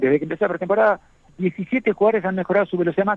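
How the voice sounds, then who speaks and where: This man's voice sits high in pitch. Its rise and fall is ordinary. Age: 60s. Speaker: football fitness coach. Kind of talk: radio interview.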